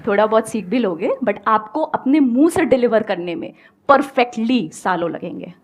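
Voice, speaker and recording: A woman's voice: on the high side, animated, normal speed. Emphatic Indian-accented woman speaker. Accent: Indian English. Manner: emphatic, mixing Hindi and English. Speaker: guest speaker. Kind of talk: motivational stage talk.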